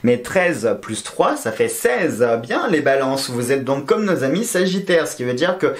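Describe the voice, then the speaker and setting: A man's voice: mid-range voice, big pitch swings, a little slow. A man giving a casual weekly horoscope reading, joking around and counting scores aloud. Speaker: astrology and tarot reader.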